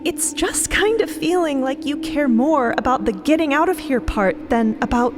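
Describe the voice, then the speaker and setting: A woman playing an anxious, conscientious young woman in an audio drama, speaking in halting, emphatic, pleading bursts. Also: high voice, lively intonation. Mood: agitated, accusing. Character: anxious, conscientious young woman, a people-pleaser finding nerve.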